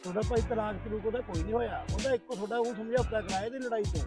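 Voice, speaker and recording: A man's voice: high voice, racing, over music, natural voice. A man playing a village council member, dismissive and exasperated. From Punjab.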